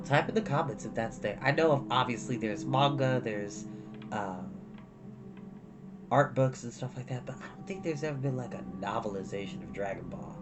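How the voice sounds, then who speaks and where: A man's voice: medium pitch, moderate pace. A man hosting an online storytime, chatting casually and reading a storybook expressively. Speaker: host of an online storytime show. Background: background music.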